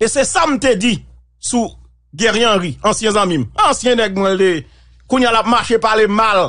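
A man is speaking. His pitch moves up and down in an ordinary way. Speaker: former senator. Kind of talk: radio interview.

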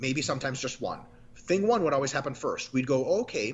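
This man talks at a very fast pace in a fairly high, somewhat breathy voice with lively intonation. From Metro Detroit, US Midwest (born in Moscow, left at seven); Michigan. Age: 30s. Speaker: exercise scientist and professor; professor. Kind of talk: casual chat. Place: home room. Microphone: earbuds.

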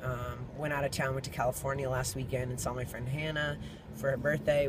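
Over loud background noise, a man talks at a fairly quick pace in a monotone, flat intonation, the sound dry with no echo. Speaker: vlogger. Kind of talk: casual video diary update. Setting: in a car. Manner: casual, hesitant with fillers. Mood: relaxed, upbeat. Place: car. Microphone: phone near.

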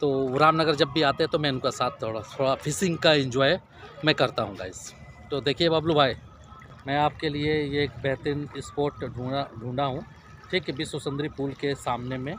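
Light background noise accompanies a man talking at a fairly slow pace with fairly even intonation, the sound dry with no echo. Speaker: vlogger. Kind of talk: casual vlog chat. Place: waterside. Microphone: phone near.

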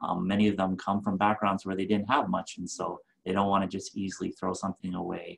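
The delivery is monotone and flat in intonation, moving at a fairly quick pace. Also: man. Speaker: panelist. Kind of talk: panel presentation. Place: office. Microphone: webcam.

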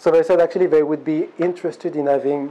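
His tone comes across as dark and mellow. It is a man speaking. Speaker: tech innovation unit head presenting blockchain project. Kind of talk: meetup presentation with Q&A. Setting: stage with audience. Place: meeting room. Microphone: lapel.

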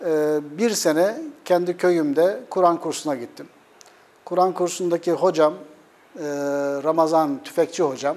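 A man with a high pitch talks very slowly, his pitch varying in an ordinary way. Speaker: former mayor, interview guest. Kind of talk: interview answer. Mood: warm, nostalgic. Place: studio. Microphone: lapel.

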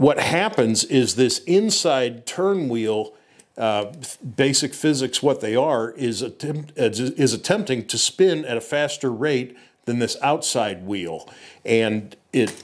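Against a quiet background, a man talks at a very slow pace with lively intonation. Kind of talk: tutorial. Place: office. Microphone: lapel.

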